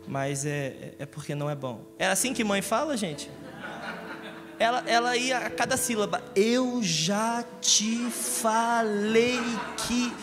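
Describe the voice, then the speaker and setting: High-ish carioca preacher guy cracking jokes in a sunday sermon, big echoey church, music going. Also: moderate pace. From Rio de Janeiro, Brazil. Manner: lively, joking, often asks the congregation questions. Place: church hall. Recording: long church reverb with music behind.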